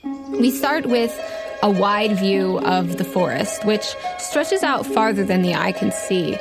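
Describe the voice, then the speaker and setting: A woman's voice: medium pitch, animated, slow pace. A woman hosting and narrating a tabletop adventure game as its game master. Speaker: game master and podcast host. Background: music behind the voice.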